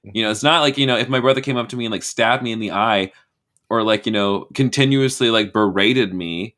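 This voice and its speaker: Bright-voiced blunt man hosting a chat. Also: on the low side, brisk. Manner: blunt, swears freely, jokey. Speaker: host. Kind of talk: casual video chat.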